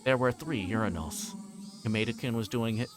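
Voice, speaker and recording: A man giving casual livestream commentary on a visual novel, switching between reading aloud and explaining in a halting, repetitive way. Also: lowish voice, noisy background.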